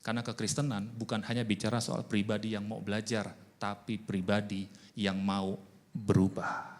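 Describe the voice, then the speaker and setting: A pastor preaching a sermon, telling stories and acting out both sides of the conversations. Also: male voice, lowish voice, normal speed. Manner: animated storytelling, voices both sides of conversations. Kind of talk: sermon with acted-out dialogue.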